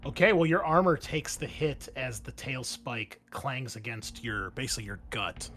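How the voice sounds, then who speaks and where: A man's voice: mid-range voice, lively intonation, normal speed, fairly bright tone, slight background noise. A man running a tabletop roleplaying game as game master, switching between vivid descriptive narration and casual rulings.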